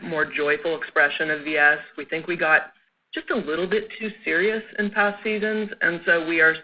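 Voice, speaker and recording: A woman speaking as a chief executive, giving upbeat, promotional answers on an earnings call. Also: deep voice. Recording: muffled, noisy conference phone line.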